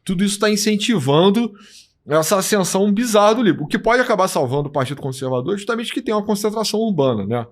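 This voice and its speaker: A man co-hosting a podcast, chatting about politics in an animated way, full of fillers. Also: high voice, fast. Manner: animated, lots of fillers like tipo and né. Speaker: podcast co-host. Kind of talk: casual political chat.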